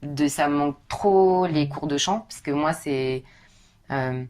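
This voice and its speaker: A young woman with a deep, husky speaking voice talks loosely and informally as a podcast guest. She strings long stories together with lots of casual fillers. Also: unhurried, darkish tone. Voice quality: low husky voice. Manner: chatty, informal, many fillers.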